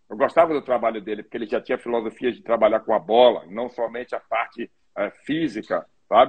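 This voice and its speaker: Using a plain, everyday voice, a man talks at a fairly quick pace. His pitch is medium and his intonation fairly even. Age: 60s. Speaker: football coach and fitness trainer. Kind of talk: interview.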